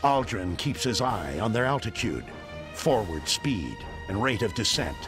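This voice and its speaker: Animated low-voiced male documentary narrator. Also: measured pace. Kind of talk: scripted dramatic narration. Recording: studio narration over prominent music.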